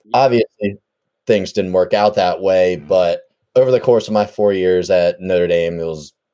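With an ordinary speaking voice, a man talks at a moderate pace and a fairly low pitch. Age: 20s. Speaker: sports podcast co-host. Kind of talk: casual chat.

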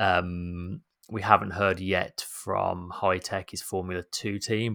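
This man has a Midlands accent and a very deep, low pitch. His tone is bright and sharp, with vocal fry. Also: dry, close sound with no echo, very clean recording, silent background. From West Bromwich, English Midlands. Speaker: motorsport podcast co-host. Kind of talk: casual chat.

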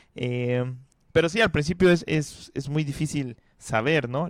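A man talks in an unremarkable speaking voice. His pitch is fairly high, with ordinary variation. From Mexico. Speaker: podcast co-host. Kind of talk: casual chat.

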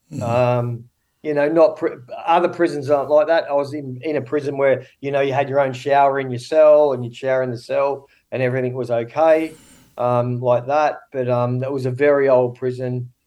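A man's fairly high voice with an Australian accent, dark and mellow in tone, flat and monotone, at a fairly quick pace. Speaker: prison reform advocate and former prisoner. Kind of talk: interview. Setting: remote call.

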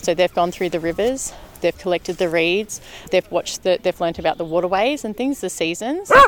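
A woman with an Australian accent speaks fairly quickly at a medium pitch, with ordinary pitch variation. The sound is dry and close with no echo, though background noise is noticeable. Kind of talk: interview. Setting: outdoors.

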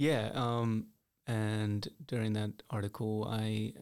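A man with an Icelandic accent speaks at a medium pitch with fairly even intonation. The recording is very clean with a silent background. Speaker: staff writer at a magazine. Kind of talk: casual interview, explanatory. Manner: hesitant, many ums and uhs.

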